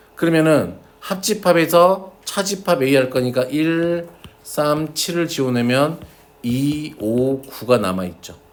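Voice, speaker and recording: Audible room echo surrounds the voice. The pace is very slow. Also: man, fairly high pitch for a man, lively intonation. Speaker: math tutor. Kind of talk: lecture. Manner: casual, animated; self-noted slurred pronunciation lately.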